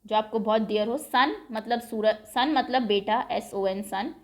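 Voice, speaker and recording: Woman, teacher, slow lesson explanation, slightly high voice, patient, repeats words. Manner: switches between reading English aloud slowly and explaining in Hindi.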